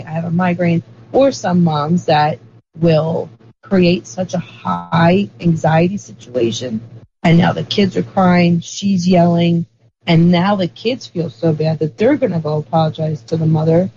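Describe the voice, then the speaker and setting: An interview guest talks through ideas at length, rambling and filling gaps with "like" and "um". The voice sits in a middle pitch. It comes through a dull, lo-fi recording with a faint hiss underneath. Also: moderate pace, gravelly, a little mellow. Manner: rambling, heavy use of "like" fillers. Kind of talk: casual conversational explanation.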